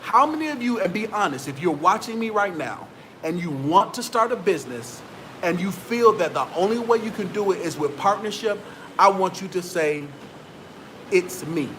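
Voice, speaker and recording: High-voiced man giving pep talk. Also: expressive, normal speed, a bit bright, a little hiss or hum, rough recording. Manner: preachy, repetitive, talks straight to viewers. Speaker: vlogger giving business advice. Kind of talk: motivational talk to camera.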